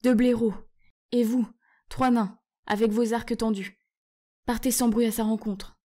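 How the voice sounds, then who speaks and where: A young king giving firm orders to his followers, as a woman reads him aloud. He sounds commanding and proud, with a mellow, dark tone. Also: a little high, steady tone, normal speed, natural voice. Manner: commanding, proclaiming.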